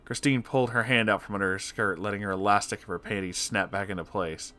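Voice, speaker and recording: A man's voice: lowish voice, steady tone, quick pace, sharp tone. A man reading comic horror fiction aloud as a narrator, in a scripted, dramatic storytelling style.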